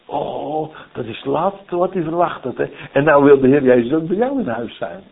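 Folksy Dutch preacher on a tinny line. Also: male voice, a little high, moderate pace, creaky. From Netherlands. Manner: folksy, lively storytelling with many "hè?" asides. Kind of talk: sermon. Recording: tinny phone-like sound.

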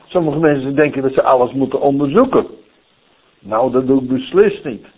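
A man's voice: mid-range voice, moderate pace. A man preaching a sermon in a folksy storytelling way, often checking in with "hè?", who grew up in the Netherlands. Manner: folksy, lively storytelling with many "hè?" asides. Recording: tinny phone-like sound.

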